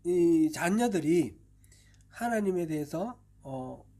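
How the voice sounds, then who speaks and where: A male pastor giving an expository Bible-teaching sermon at a church service, patiently explaining with many fillers and often clearing his throat. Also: a little high, expressive, slow pace, dark tone.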